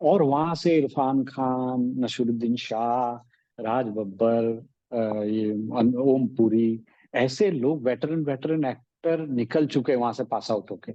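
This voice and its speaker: A man speaks with an Assamese accent. His pitch is medium. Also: ordinary pitch variation. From Assam, northeast India. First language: Assamese (speaking Hindi). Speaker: actor. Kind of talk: interview. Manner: hesitant, with fillers.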